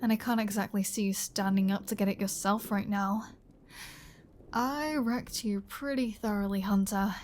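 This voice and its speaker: A woman's voice: mid-range voice, steady tone, normal speed, a little mellow, a little hiss or hum, close to an everyday voice. A woman playing a flirty, teasing vampire with a sardonic, caring streak in an intimate ASMR roleplay, often dropping toward a whisper. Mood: wry, caring. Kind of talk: ASMR roleplay audio drama.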